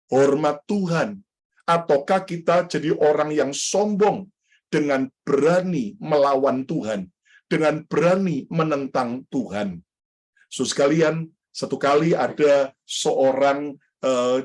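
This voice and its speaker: Lively, fairly high-voiced male pastor preaching. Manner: lively, repeatedly addresses the congregation, jokey storytelling. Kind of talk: sermon.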